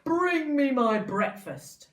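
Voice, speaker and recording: A woman doing a booming, gruff giant. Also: animated. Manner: slow booming chant. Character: huge fearsome male giant, greedy and gruff. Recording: roomy sound from a distant mic.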